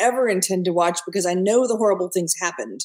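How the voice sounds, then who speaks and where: The speaker has an unremarkable speaking voice and talks at a fairly quick pace. Pitch variation is ordinary. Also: woman. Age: 50s. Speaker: film enthusiast podcast guest. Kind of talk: casual chat. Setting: video podcast.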